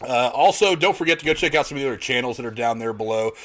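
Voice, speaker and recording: A man's voice: mid-range voice, lively intonation, racing, fairly bright tone. A man hosting a casual panel podcast in a chatty, conversational way. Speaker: podcast host.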